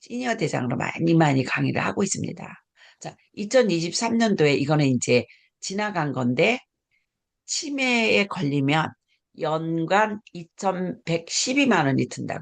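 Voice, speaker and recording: Her pitch is fairly low and swings very widely. The woman speaks at a moderate pace. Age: 70s. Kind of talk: lecture.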